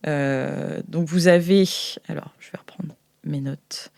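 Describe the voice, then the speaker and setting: A game master speaks at a medium pitch in a very dry, close recording. The delivery is casual and improvised, hesitating and searching for words while narrating a tabletop role-play scene. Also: fairly even intonation, slow, gravelly, a little mellow, dry recording.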